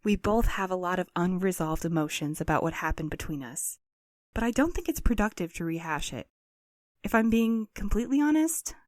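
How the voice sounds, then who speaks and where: A woman's voice: on the low side, expressive, brisk, darkish tone, no echo, studio quality, close to an everyday voice. A woman playing an earnest, reserved courier in an audio drama, choosing her words carefully and diplomatically. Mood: guarded, hurt. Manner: careful, formal, conciliatory. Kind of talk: audio fiction acting.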